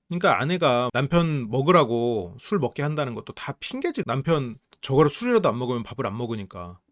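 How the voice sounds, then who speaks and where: Man, casual commentary, lively pitch, dry close sound. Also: no echo. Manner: animated, acts out quoted lines in raised voices. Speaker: psychology channel host reviewing a reality show.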